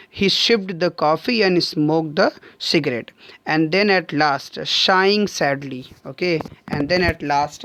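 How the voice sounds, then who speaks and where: A man teaching an online English class with an Indian accent, reading a story line by line and paraphrasing it with frequent fillers and throat clearing. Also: a little high, fairly bright tone, no room sound. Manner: reads a line then paraphrases it, with frequent "okay" and "uh"; clears his throat often.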